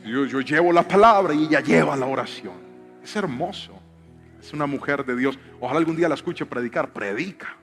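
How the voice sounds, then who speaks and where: A man in his thirties preaching a sermon as a pastor, telling personal stories and acting out quotes in changing voices. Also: fairly high pitch. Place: church hall with live piano. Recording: live hall reverb with piano. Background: soft piano.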